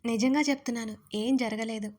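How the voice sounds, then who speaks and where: A woman's voice: on the high side, fairly even intonation, a little fast, dark tone, lightly acted. A woman voicing a nervous, timid young woman who hurriedly denies everything, in a Telugu audio story. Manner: flustered, denying, innocent.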